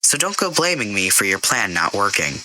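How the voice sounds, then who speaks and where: Man voicing an unflappable female AI, soft and raised. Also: lowish voice, very animated, moderate pace, exaggerated voice, low-quality recording. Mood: defensive. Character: dry, unflappable female artificial intelligence assistant.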